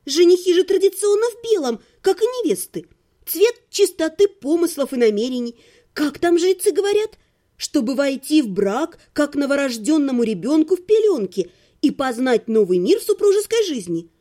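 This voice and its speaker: A naive young noblewoman gushes in a very high, sing-song voice, as a woman narrator puts her on. She chatters breathlessly, her pitch leaping all over the place. The tone is warm and mellow, an audiobook character read aloud. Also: big pitch swings, moderate pace. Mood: gushing.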